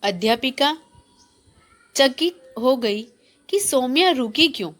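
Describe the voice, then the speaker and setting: A woman's voice: sits high, lively intonation, slow pace, a bit bright. Woman teaching a grammar lesson. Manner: explains, then repeats points as questions to the class; reads textbook passages aloud, then explains them. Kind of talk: Hindi grammar lesson for schoolchildren.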